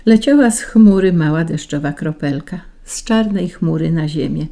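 A woman reading a children's story aloud in a gentle, measured way. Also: low voice, lively intonation.

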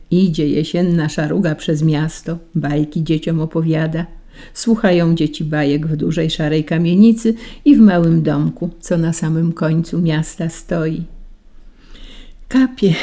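A woman reading a children's story aloud in a gentle, measured way. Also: deep voice, steady tone.

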